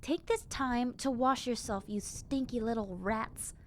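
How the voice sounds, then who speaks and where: Woman doing a chatty lil zombie girl, friendly n lonely, kinda high girly voice, audio rp talking right to you. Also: measured pace, slight background noise, lightly acted. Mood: cheerful, fussy. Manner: casual, chatty, conversational, girlish. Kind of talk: scripted audio roleplay, speaking to the listener.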